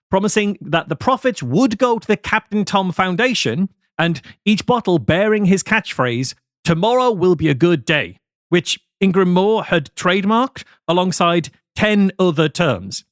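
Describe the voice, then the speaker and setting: A man's voice: high-pitched, dry recording. Wry man telling a story. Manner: dry, wry delivery of researched stories. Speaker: podcast co-host. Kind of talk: scripted storytelling in podcast chat.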